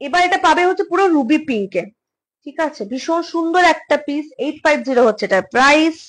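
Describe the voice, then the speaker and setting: A woman's voice: sits high, lively intonation, fast, low-quality recording. A woman showing jewellery pieces in a casual, chatty way, repeating phrases and mixing English words into her talk. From India. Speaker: jewellery seller. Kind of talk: casual live product showcase.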